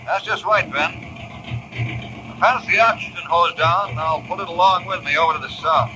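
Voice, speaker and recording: An earnest, encouraging forest ranger hero , played by a man, speaks in a slightly high voice. It is a 1950s radio drama, heard through a hissy old transcription. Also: normal speed, close to an everyday voice. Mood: calm.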